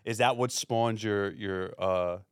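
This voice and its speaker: A man's voice: fairly low pitch, slow pace, clean tone, no echo, studio quality. A man hosting a casual interview, easygoing and laughing along with his guest. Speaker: interviewer host. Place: studio.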